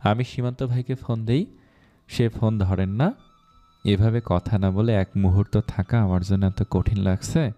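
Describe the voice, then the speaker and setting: A man's voice: lowish voice, fairly even intonation, normal speed, dark tone. A man narrating a first-person love story in a scripted, emotional storytelling manner.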